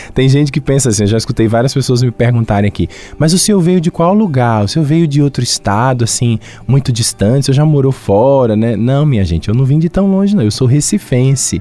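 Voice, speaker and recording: A man at a medium pitch talks at a fairly quick pace with lively intonation and very even loudness, over noticeable background noise. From Brazil, Recife (Pernambuco). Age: 30s. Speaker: deacon and missionary. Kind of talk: radio interview.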